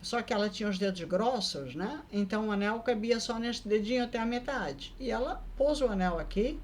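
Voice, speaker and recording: Woman vlogger, slightly high pitch, lively and chatty, spins her anecdote with many tag questions. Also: brisk, a little hiss or hum. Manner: lively, acts out the people in her story. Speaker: vlogger telling personal stories. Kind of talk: casual storytelling.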